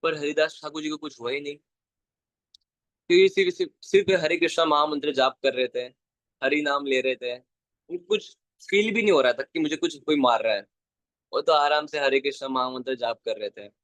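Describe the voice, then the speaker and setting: A man's voice: on the high side, fairly quick, fairly bright tone, no room sound. Earnest man with a dry voice. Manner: earnest, repeats phrases for emphasis, mixes in English words. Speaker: devotional storyteller. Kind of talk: Hindi devotional story talk.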